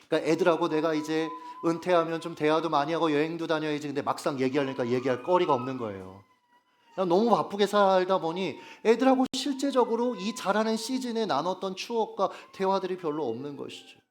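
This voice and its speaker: A man's voice: fairly high pitch, a little fast, slight background noise. A male pastor preaching a Sunday sermon at a church worship service. He is earnest and emphatic, often putting rhetorical questions to the congregation. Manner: earnest and emphatic, stressing key phrases.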